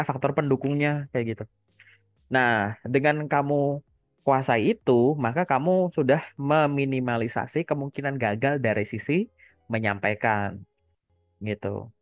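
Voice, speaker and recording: A man speaking as a career coach in a relaxed, casual chat, trailing off his sentences with soft fillers. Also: mid-range voice, no room sound, clean studio sound.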